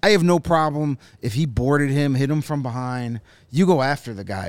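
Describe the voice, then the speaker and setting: A man with a normal speaking voice at medium pitch uses lively intonation at a moderate pace on a very clean recording with a silent background. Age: 40s. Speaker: sports podcast co-host. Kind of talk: casual chat.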